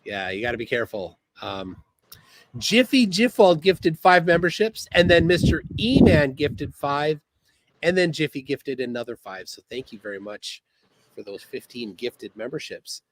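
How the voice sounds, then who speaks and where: Halting laid-back man hosting a stream. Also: on the high side, lively intonation, slight background noise, rough recording. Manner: laid-back, halting, reads chat aloud with chuckles. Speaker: livestream host. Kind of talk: casual livestream chat. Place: outdoors by the water.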